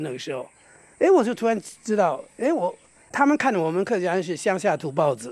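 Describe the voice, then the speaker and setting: Against a quiet background, a man with a high pitch talks at a fairly quick pace, his pitch swinging very widely. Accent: Hakka. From Taiwan, Hsinchu (Hakka village). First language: Hakka (speaking Chinese). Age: 80s+. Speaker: retired philosophy professor, guesthouse owner. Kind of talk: interview. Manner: halting, repetitive.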